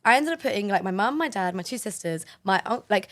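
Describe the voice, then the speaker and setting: A woman from London with a London accent, speaking quickly in a mid-range voice. She chats as a podcast guest and jumps into other people's voices while telling a story. Her delivery is animated and lively. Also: medium pitch. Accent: London English. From London, England. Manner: animated storyteller acting out quotes. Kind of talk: casual chat.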